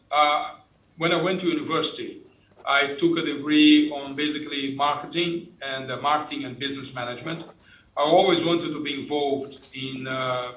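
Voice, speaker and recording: A man in his fifties with a Brazilian accent, a native Portuguese speaker, talking through his career in a measured, explanatory way as an interview guest. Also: on the high side, sharp tone. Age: 50s. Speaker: company executive, interview guest. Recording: roomy, echoing sound.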